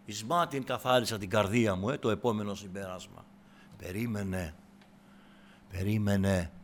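A middle-aged man preaching a sermon with fervour, calling out to his brothers, rising to shouts and dropping to a hush. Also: medium pitch, a little hiss or hum. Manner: fervent, repeats "brothers", rises to shouts then drops to a hush.

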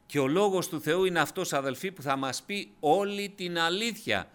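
Bright, fervent male preacher. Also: on the high side, clean tone. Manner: fervent, swings between loud emphasis and hushed asides; keeps addressing listeners as brothers. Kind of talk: sermon.

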